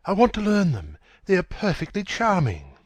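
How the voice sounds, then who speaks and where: A man voicing a petulant, charming young gentleman who talks in a wilful, breathless rush. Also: high-pitched, huge pitch swings, no echo, pitched above the performer's own voice, full character voice. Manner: wilful, quick, breathless pleading.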